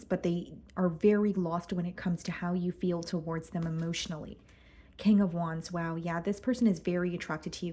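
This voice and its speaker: A woman doing a casual tarot reading, going hoarse and clearing her throat as she talks through the cards with some hesitation. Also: fairly low pitch, mellow. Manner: careful, hesitant, repeats words. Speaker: tarot reader.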